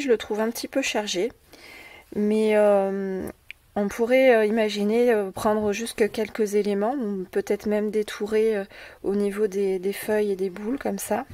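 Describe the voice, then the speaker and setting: A woman with a French accent hosts a scrapbooking video, casually showing off a craft haul in a mid-range, slightly mellow voice. She talks hesitantly, full of fillers and repeated words. The mic is distant, with faint noise.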